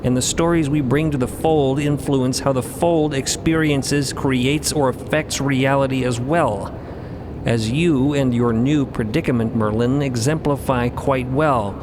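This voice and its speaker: A man's voice: fairly even intonation, close to an everyday voice. Solemn philosophical ship mystic, acted by a man, over noise. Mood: probing, solemn. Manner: formal, measured, didactic. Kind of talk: audio drama dialogue. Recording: rumbling vehicle-like background noise.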